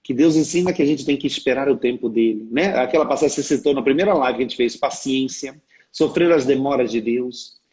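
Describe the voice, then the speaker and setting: A man's voice: medium pitch, a little fast, darkish tone, poor audio. A Brazilian man preaching on a livestream as a Catholic missionary, telling stories earnestly and often asking his listeners for agreement. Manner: earnest storytelling, often asks "né?". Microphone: livestream setup.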